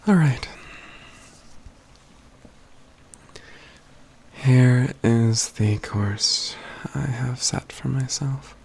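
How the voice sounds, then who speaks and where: A man acts out an aloof, proud mage companion for an ASMR fantasy roleplay. He speaks very slowly and intimately in a gravelly, creaky voice, with formal, dryly teasing phrasing that often drops to a hush. Faint noise and ambience sit behind him. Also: medium pitch. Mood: aloof, dryly amused. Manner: formal, measured, haughty phrasing with hushed stretches.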